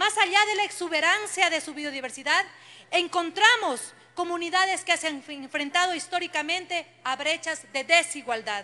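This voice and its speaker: A woman speaks at a moderate pace in a raised, projected voice with an extremely high pitch and a bright, sharp tone. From southern Ecuador (Zamora Chinchipe, Amazon region); Ecuador. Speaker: politician. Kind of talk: parliamentary speech. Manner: formal; emphatic. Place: hall. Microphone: podium.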